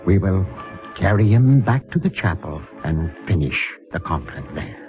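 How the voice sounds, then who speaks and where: An actor playing a stern yet merciful Catholic priest in a 1950s radio drama, speaking gravely and deliberately. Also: male voice, low voice, sing-song. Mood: solemn, merciful. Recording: muffled vintage radio recording with music.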